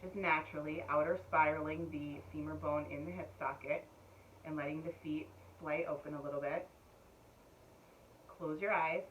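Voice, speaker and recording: Low-voiced yoga teacher, heard from afar. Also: female voice, fairly even intonation, normal speed, a bit bright. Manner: chatty and meandering, soothing cues. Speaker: yoga instructor. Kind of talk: casual spoken yoga class guidance. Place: home room. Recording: distant mic, dull sound, faint room noise.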